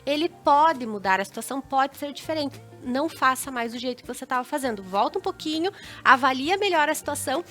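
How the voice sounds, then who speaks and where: Woman, Brazilian accent, high voice, instructive advice talk, faint music, TV studio. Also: expressive, a little fast, a bit bright. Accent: Brazilian Portuguese. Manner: instructive, acts out little dialogues. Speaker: guest adviser on relationships.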